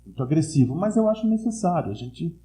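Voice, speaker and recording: A man in his sixties from Brazil with an Italian-influenced São Paulo accent, chatting casually as an interview guest and telling stories in a slangy, animated way. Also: a little high, a little fast. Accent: Italian-influenced São Paulo Portuguese. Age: 60s. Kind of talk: casual chat. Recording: roomy, echoey sound.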